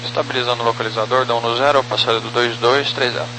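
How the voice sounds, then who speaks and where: A man's voice: mid-range voice, little pitch movement, rapid-fire. A man speaking as a pilot in clipped phraseology over aviation radio. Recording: noisy humming radio.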